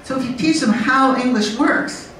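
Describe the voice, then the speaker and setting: A middle-aged woman giving an animated conference talk on teaching English, emphatic and full of rhetorical questions. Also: sits high, normal speed, a little hiss or hum. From Canada. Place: conference room. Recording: echoey room, far from mic.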